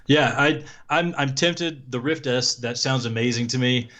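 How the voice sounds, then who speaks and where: Male guest with a deep voice, musing and modest, restarting his sentences. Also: measured pace, a bit bright. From South Dakota. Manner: thoughtful, self-deprecating, frequent restarts. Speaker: podcast guest. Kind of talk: casual chat.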